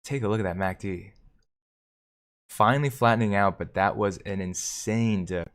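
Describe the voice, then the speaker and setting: A man hosting a live stream, commenting on stock charts and reading viewer comments aloud with excitement. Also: lowish voice, moderate pace. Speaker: livestream host.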